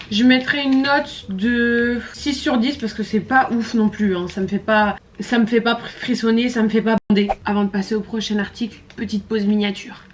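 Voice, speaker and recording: A young woman from France talks through a food taste test in her French accent. She is blunt, chatty and animated, with a voice a touch higher than most. A faint background hum sits under her. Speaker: vlogger. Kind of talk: casual food-tasting vlog.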